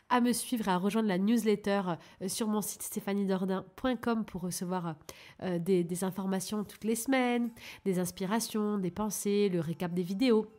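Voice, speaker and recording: A French life coach who hosts her own channel talks straight to the listener in a soft, encouraging way, guiding them toward their goals. Her mid-range voice is relaxed and conversational, with the hesitations natural to unscripted speech, in a casual coaching monologue.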